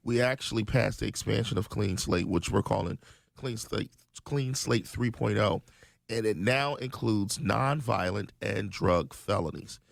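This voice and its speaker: An earnest man speaking as a radio studio guest, often restarting his sentences. His low voice has a gravelly edge, and the recording is close and dry. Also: measured pace, no echo. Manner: earnest, many ums and restarts. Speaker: state legislator guest. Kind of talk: conversational radio interview.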